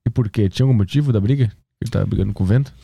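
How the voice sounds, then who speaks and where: Um homem brasileiro do sul, gripado, conversando num podcast com piadas e palavrões. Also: male voice, on the low side, creaky, mellow, slightly rough, no room sound. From southern Brazil. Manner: quick, joking banter with curse words. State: has a cold. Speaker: podcast co-host. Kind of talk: casual chat.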